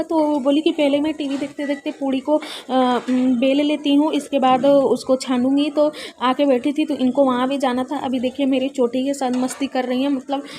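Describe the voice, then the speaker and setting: A woman's voice: sits high, darkish tone. A young woman chatting casually in a home vlog, laughing often as she talks, recorded indoors on a phone. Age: young adult. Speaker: vlogger.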